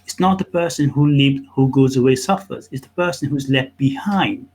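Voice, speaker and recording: Man from Nepal, halting storyteller. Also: mid-range voice, darkish tone. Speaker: accountant and business owner, interview guest. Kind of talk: conversational interview, personal storytelling.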